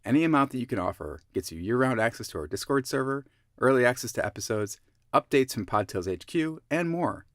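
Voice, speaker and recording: A man's voice: medium pitch, expressive, a little fast, no room sound, studio quality. A man reading a scripted promotional announcement as a member of a podcast team.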